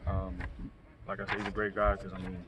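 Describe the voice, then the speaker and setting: A young man, a college quarterback, answering reporters outdoors in a soft-spoken way with many ums. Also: low-pitched, monotone, fairly quick. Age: young adult. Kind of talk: outdoor media interview. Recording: loud background noise outdoors.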